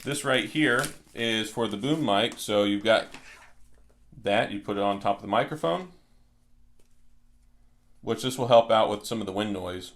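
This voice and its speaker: A man's voice: lowish voice, measured pace, pauses often, a bit bright. A man giving a casual product walkthrough as a reviewer, explaining things step by step.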